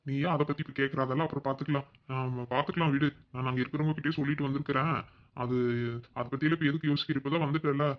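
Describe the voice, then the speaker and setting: A man's voice: a little high, little pitch movement, racing, lo-fi sound, natural voice. A man voicing a young husband back from abroad in a cartoon, tenderly soothing his tearful wife. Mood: doting, soothing. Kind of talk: cartoon voice acting.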